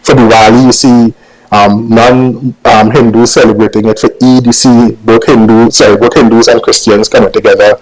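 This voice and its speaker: Trini guy being interviewed, medium pitch, laid out casually, pauses to think about his wording. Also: little pitch movement, a little mellow, rough recording. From Trinidad and Tobago. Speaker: interview guest, journalist.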